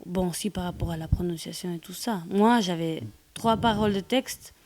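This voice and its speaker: A woman's voice: fairly low pitch, normal speed, a little mellow. A woman, an amateur actor, speaking candidly and casually in an interview. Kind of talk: interview answers.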